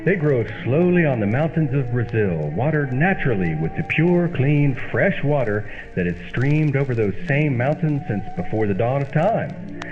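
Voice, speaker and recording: A man acting as a wisecracking straight man and folksy pitchman in an old-time radio comedy, with an emphatic, theatrical delivery. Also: sing-song, normal speed, natural voice. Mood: hearty salesman. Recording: dull lo-fi old-radio sound, music behind.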